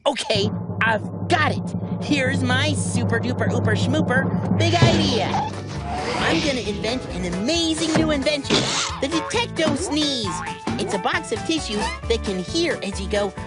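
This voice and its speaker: A woman voicing a curious, cheerful young boy scientist in a children's cartoon, excitable and sing-song. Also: sits high, unhurried. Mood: excited. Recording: studio voice with music bed.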